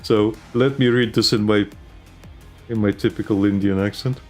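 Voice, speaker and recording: A man's voice: lowish voice, fairly even intonation, moderate pace, faint music behind. A man co-hosting a casual chat show, rambling with lots of fillers and restarts. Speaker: podcast co-host.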